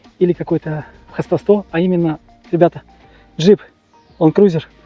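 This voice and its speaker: Music plays in the background as a man speaks at a high pitch with ordinary pitch variation. The sound is dry and close, with no echo. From Yakutia. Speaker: hunter and sport shooter. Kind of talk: casual talk to camera. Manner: hesitant, filler-heavy.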